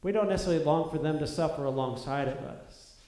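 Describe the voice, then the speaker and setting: A man's voice: on the high side, quick pace, dark tone. Earnest man preaching in an echoey hall. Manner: earnest, building to emphatic peaks with repeated phrases. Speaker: pastor. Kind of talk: sermon. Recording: echoey room.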